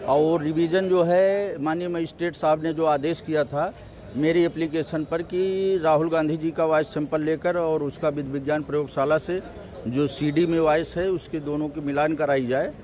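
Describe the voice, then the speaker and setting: Man, lawyer at a press statement: measured, legalistic, a bit higher pitch, outdoors by traffic. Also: fairly even intonation, darkish tone. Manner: formal, legalistic, mixes English legal terms. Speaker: complainant's lawyer.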